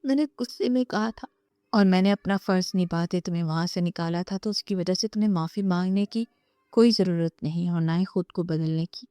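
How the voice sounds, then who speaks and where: Proud young husband, curt and bitter, read by a woman, mellow dry voice. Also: on the low side, clear, resonant tone, no echo, lightly acted. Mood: hurt, bitter. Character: brooding proud young husband, hurt and stern.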